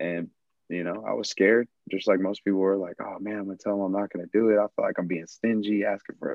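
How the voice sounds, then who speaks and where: Using a monotone, flat intonation, a man with an American accent speaks at a very fast pace and a fairly low pitch. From Northern California (Sacramento). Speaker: former pro football player turned real estate investor. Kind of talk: casual interview.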